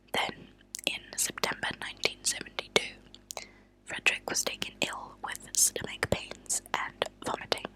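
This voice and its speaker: A woman speaks entirely in a breathy whisper with a bright, crisp edge. She reads in a deliberate, soft ASMR manner, as a host sharing stories. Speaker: ASMR host reading true crime stories aloud. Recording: lo-fi close whispered ASMR recording.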